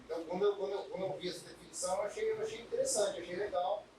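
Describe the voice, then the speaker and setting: Heavy room echo, clear background noise, Brazilian man, high voice, halting casual class comment. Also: steady tone. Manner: halting, repeats words. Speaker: class participant. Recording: echoey, noisy room, far from mic.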